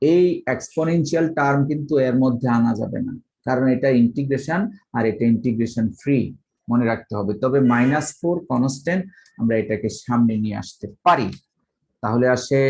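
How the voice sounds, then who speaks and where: Man, Bangladeshi accent, math lecture, gravelly, slow methodical dictation. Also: medium pitch, darkish tone, low-quality recording.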